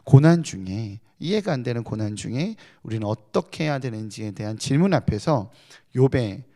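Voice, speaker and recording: A man's voice: medium pitch, lively intonation, moderate pace, dark tone. A male pastor giving a conversational sermon at a night prayer meeting, explaining scripture in a chatty way and asking rhetorical questions.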